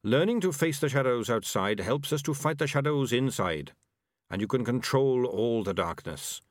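A man voicing a gentle, thoughtful male rat in a storybook, speaking in a kindly, reflective and deferential way. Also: mid-range voice, sing-song, normal speed, dry recording, studio quality, voice pushed up.

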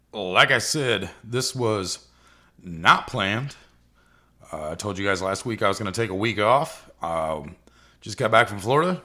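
A man who races cars, hosting his own podcast in loose, rambling casual talk, his voice scratchy and rough today. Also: lowish voice, pushed and bright. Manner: loose, rambling, frequent fillers. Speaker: podcast host and drag racer.

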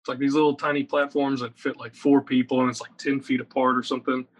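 A man in his thirties from Virginia, talking as a guest in a casual interview, rambling and energetic with lots of fillers. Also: mid-range voice, quick pace. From Virginia, USA. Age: 30s. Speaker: guest, metal guitarist.

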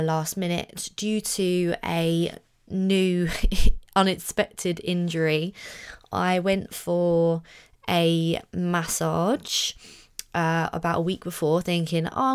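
Young woman rambling thru a story, hoarse and husky but smooth, lowish voice. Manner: chatty, rambling storytelling with fillers. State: hoarse from shouting. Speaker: podcast host. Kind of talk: casual solo podcast chat.

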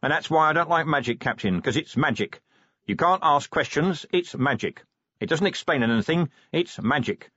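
A weary middle-aged commander with a sour, skeptical edge as the narrating man puts him on. The voice is husky and the sound dry and slightly dull. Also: mid-range voice, big pitch swings, normal speed, fairly bright tone, dry recording.

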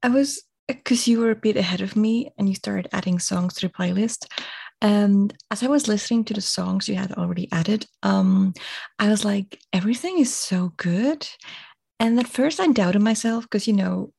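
A woman co-hosting a music podcast in casual chat, playful and quick to laugh, prone to dramatic exaggeration. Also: mid-range voice, steady tone, creaky, darkish tone, breathy edge. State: overheated. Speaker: podcast co-host.

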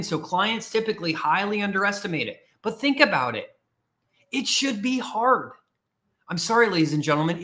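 A man's voice: high-pitched, bright, forceful tone. A man speaking as a career coach in a blunt, emphatic motivational talk, repeating his points.

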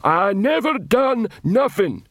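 A man voicing a big, dim troll guard who barks his answers loudly in simple grammar. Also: high-pitched, big pitch swings, slow, vocal fry, no echo, studio quality, pitched above the performer's own voice, heavily acted. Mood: eager, bellowing. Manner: barking, shouted, simple grammar.

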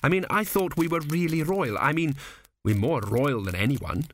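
Man doing naive young prince, anxious, earnest, pleading edge, higher voice, lively. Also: normal speed. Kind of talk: audiobook character voice.

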